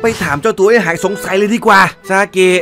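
A man narrating an anime recap in a chatty, playful way, jumping into quick character lines. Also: high-pitched, fairly even intonation, sharp tone. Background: background music.

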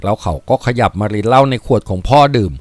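A man narrating a novel in a steady, even reading voice. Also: lowish voice, fast talker, no echo.

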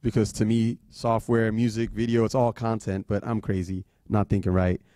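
Guy giving a talk, animated story, goes loud then quiet, dry mic. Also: lowish voice, normal speed, no room sound. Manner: animated, swings between loud and hushed. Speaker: guest speaker.

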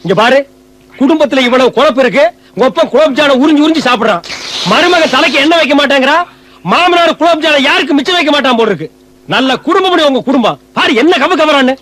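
A man's voice: very high-pitched, quick pace, a bit bright, slight background noise. A man delivering mocking, exasperated film comedy dialogue, scolding everyone around him. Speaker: comic film actor.

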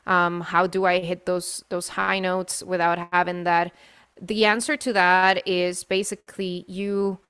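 A woman's voice: mid-range voice, fairly bright tone, smooth, dry recording. A young woman, a singing teacher, hosting a live webinar over a video call in a casual, chatty way with many fillers and restarts. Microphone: webcam mic on video call.

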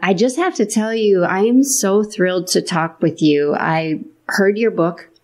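A woman hosting an interview podcast, reading a bright scripted intro and then chatting with enthusiasm. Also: medium pitch, a little slow. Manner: upbeat, warmly enthusiastic. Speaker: podcast host.

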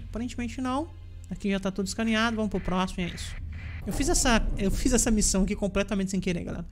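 A woman with a Brazilian Portuguese accent hosting a let's play, commenting chattily with excitable reactions to the game. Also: medium pitch. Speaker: gaming channel host. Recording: voice over loud game music. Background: game music.

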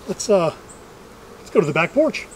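A middle-aged man with a notably high voice talks casually through his work as a beekeeping host. He is chatty and dryly humorous. The recording is outdoors, with faint insect noise behind him. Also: big pitch swings, moderate pace. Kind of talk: casual running commentary while working. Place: outdoors among trees at beehives.

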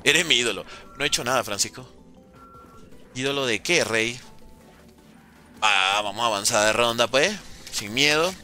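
A Venezuelan man streaming a game live, chatting with viewers and reacting in quick bursts. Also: medium pitch, soft background music. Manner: lively, banters with chat, talks fast in bursts. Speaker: gaming streamer. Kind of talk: live gameplay commentary reading chat.

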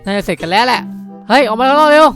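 Excitable guy gaming host, talks super fast, repeats himself, minecraft roleplay, bit of music under. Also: sits high. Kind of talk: excitable improvised Minecraft roleplay and outro chat.

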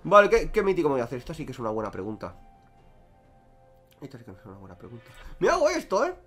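Young male streamer, quick and lively, crude banter, faint music behind. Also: mid-range voice. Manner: crude, joking, talks to chat. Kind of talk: casual gameplay commentary.

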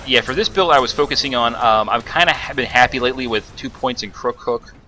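A man's voice: medium pitch, brisk, bright, forceful tone, a little hiss or hum. A man giving casual, rambling commentary over his own gameplay footage, with many fillers and restarts. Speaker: gaming commentator.

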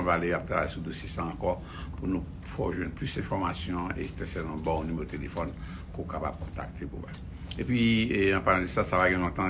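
Gravelly low-voiced Haitian man. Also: noisy background. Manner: rambling, repeats phrases, many fillers. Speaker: news commentator. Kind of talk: casual news commentary.

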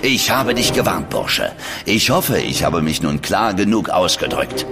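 A deep-voiced sadistic constable. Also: male voice, very animated, measured pace, gravelly, long reverb tail, music in the background, exaggerated voice. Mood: contemptuous. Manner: mocking, threatening, gloating. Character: brutal sneering male constable, sadistic jailer. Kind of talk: radio play acting.

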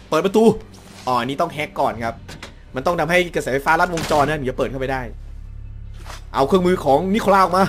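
Young man, let's play host, high voice, excitable exclamations, close mic, faint game music. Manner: excitable, with frequent exclamations during fights. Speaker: gaming channel host. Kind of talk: let's play commentary and live translation of game dialogue.

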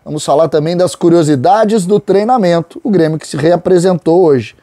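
A man's voice: a little high, moderate pace, mellow, no room sound. A middle-aged man from Rio do Sul hosts opinionated football commentary straight to camera in a small studio, speaking conversationally into a lapel mic and stretching out key words for emphasis. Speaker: sports commentator and host. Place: small studio with a branded backdrop, indoors.

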